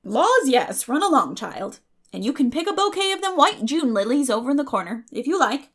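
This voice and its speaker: A woman voicing a blunt, opinionated middle-aged country matron, brisk, emphatic and folksy, in a dramatic audiobook reading. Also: high voice, very animated, voice pushed up. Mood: brisk, indulgent.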